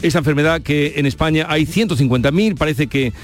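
A man's voice: a little high, a little fast, soft background music. A man hosting a live morning radio programme, interviewing and linking segments. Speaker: radio host.

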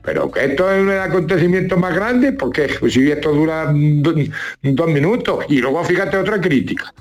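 A man's voice: on the high side, lively intonation, moderate pace, faint music behind. A man grumbling comically in colloquial, rambling chat full of rhetorical questions. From La Mancha, Spain. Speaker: regular radio contributor nicknamed as a judge.

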